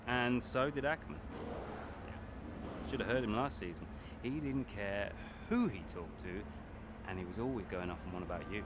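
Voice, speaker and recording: A man's voice: lowish voice, lively intonation, normal speed, very noisy, close to an everyday voice. An actor playing a cocky young racing driver who taunts his rival. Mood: taunting. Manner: taunting, smug.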